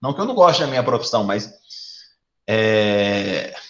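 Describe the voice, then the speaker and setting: This man speaks with a Brazilian accent. His intonation is lively. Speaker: university lecturer. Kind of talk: lecture. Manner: conversational.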